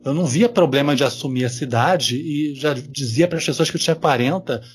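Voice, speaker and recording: A man's voice: on the high side, a little fast, slight background noise. A man, chatting candidly on a podcast with lots of casual fillers. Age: 40s. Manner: candid, conversational, fillers like "sabe". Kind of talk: casual chat.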